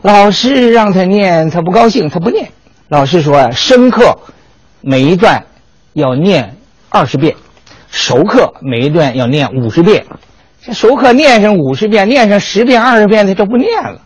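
A man telling history in a lively, colloquial lecture with dramatic asides. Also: high-pitched, moderate pace, breathy edge, no room sound, highs cut off. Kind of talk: storytelling lecture.

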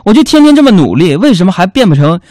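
A man's voice: high voice, sing-song, fast talker, heavy background noise. A man hosting a radio show with a comic monologue, telling jokes at his own expense. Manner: joking, self-mocking storytelling. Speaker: radio host.

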